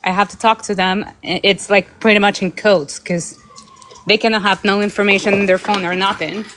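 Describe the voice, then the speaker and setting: A woman's voice: medium pitch, steady tone, normal speed, fairly bright tone, a little hiss or hum. A woman in her thirties from Venezuela, calling in to a livestream and talking emotionally with many fillers. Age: 30s. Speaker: caller. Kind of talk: casual call-in chat.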